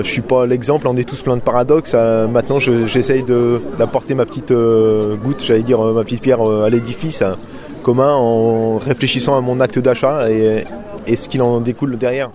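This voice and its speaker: A man's voice: mid-range voice, fairly even intonation, moderate pace. Hesitant man interviewed outdoors amid crowd. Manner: hesitant, many fillers and self-corrections.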